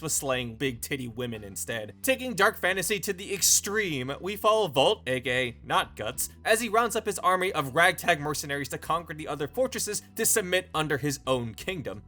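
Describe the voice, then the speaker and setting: A man's voice: fairly high pitch, pushed and bright. A man hosting a scripted online review, narrating with sardonic, irreverent comic commentary and crude joking. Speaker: video host and reviewer.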